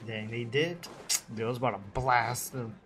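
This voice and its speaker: A man's voice: medium pitch, moderate pace, fairly bright tone, faint music behind. A man giving casual, slangy live reactions as a gaming streamer.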